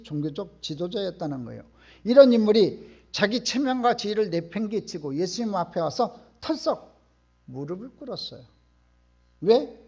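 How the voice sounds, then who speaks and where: A middle-aged man preaching a sermon in a church, emphatic and questioning the congregation, often swelling to loud outbursts. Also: sits high, creaky, breathy edge, lo-fi sound. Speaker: pastor. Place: church sanctuary.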